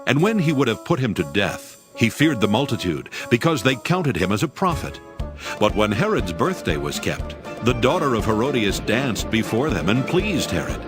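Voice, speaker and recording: Animated male scripture narrator over music. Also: mid-range voice, moderate pace.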